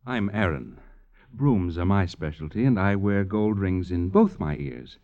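Low-voiced, hesitant gypsy broom-maker. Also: male voice, a little slow, a little mellow. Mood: proud, dreamy. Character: proud, dreamy, uneasy young male gypsy broom-maker. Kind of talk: 1950s radio drama acting. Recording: muffled vintage radio recording.

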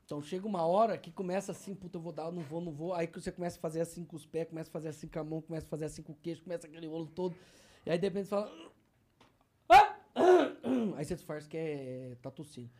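A man in casual podcast chat, an animated storyteller who acts out shouts and quoted voices, with slangy filler tags. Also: fairly high pitch, very fast. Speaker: guest.

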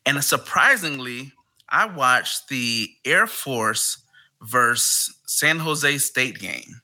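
A man co-hosting a sports podcast with a smooth, easygoing and slightly hesitant delivery. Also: medium pitch, lively intonation, takes it slowly, sharp tone, poor audio. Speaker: podcast co-host. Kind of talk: casual sports talk.

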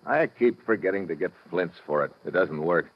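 An actor playing a cool, tough American special agent in a 1950s radio drama, speaking tersely in wisecracking slang. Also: male voice, sits low, animated, normal speed. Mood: wry, relaxed. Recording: muffled, noisy vintage radio recording.

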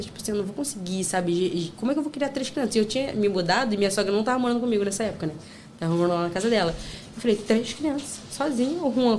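A woman's voice: mid-range voice, darkish tone, a little hiss or hum. A woman chatting as a podcast guest, telling stories with lots of fillers, acting out quotes and breaking into laughter. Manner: chatty storytelling full of fillers. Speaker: podcast guest, content creator. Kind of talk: casual chat.

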